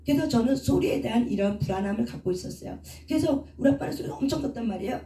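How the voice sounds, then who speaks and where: A woman's voice: on the high side, expressive, racing, mellow, distant mic. A middle-aged woman counselor giving a teaching sermon, asking the congregation rhetorical questions and answering them herself. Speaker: counselor and preacher. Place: church prayer hall. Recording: echoey room, speaker away from the mic.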